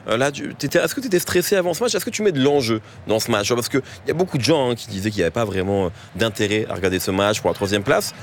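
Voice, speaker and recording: A male host who talks quickly and jumps up and down in pitch. He steers the chat and teases his guests, with some faint noise behind him. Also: lively intonation. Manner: joking, teasing guests. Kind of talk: casual chat while watching a match.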